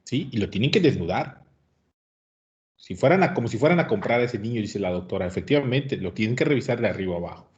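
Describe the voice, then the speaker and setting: A man's voice: lowish voice, lively intonation, fast, highs cut off. A man giving an interactive medical lecture, quizzing his students and often calling them young people. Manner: questions students, addresses them as "jóvenes".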